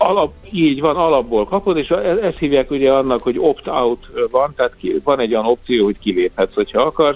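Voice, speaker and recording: A man with an ordinary speaking voice and fairly high pitch talks at a fairly quick pace. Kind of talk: professional discussion of pensions.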